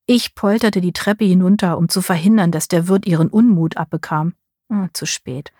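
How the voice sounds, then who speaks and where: Husky woman reading an audiobook. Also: lowish voice, normal speed, mellow, no room sound, clean studio sound. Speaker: audiobook reader. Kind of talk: first-person audiobook narration.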